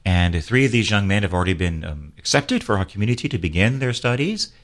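A man's voice: on the low side, very animated, quick pace. A man, a priest, hosting a radio talk show, earnestly exhorting and leading call-and-response prayer.

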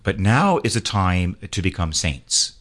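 A man's voice: deep voice, sing-song, a little slow, a bit bright. A man, a priest, hosting a radio talk show, earnestly exhorting and leading call-and-response prayer.

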